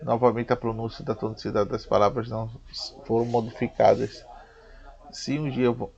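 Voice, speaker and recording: A Brazilian man reading a spelling lesson aloud slowly and haltingly, restarting words as he goes through long lists. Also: mid-range voice, flat delivery, gravelly, darkish tone. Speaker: teacher. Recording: dull lo-fi recording.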